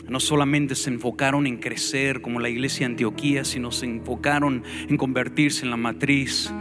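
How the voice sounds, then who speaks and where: Fervent Mexican pastor preaching over music. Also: male voice, mid-range voice. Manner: fervent, storytelling preacher with exclamations. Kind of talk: sermon. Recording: sermon with loud music underneath.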